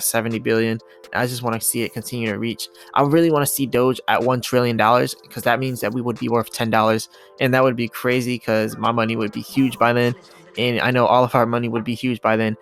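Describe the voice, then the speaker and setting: Man, lower-pitched gravelly voice, casual hype commentary, repetitive phrasing, faint music behind. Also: fairly bright tone. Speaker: crypto video host. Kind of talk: casual commentary over charts.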